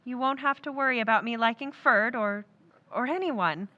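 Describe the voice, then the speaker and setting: A woman's voice: on the high side, normal speed, pushed and bright. A woman acting in an old-time radio drama as an earnest young sweetheart, pleading but firm, on a slightly dull recording. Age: young adult.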